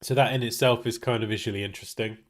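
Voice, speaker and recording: Racing along in a fairly low voice with fairly even intonation, a man hosts a live design tutorial. He's chatty, thinking aloud as he works, and sounds sniffly and nasal because his nose is blocked.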